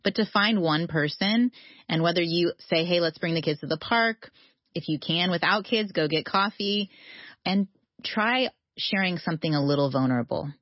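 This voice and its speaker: Earnest woman guest, soft laughs. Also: lowish voice, moderate pace, no echo, highs cut off. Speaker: author guest. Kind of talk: faith-based interview conversation.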